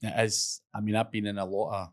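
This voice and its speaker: A man's voice: fairly low pitch, little pitch movement, fast. A man as a podcast guest, chatting casually, self-mocking and swearing. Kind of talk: casual chat.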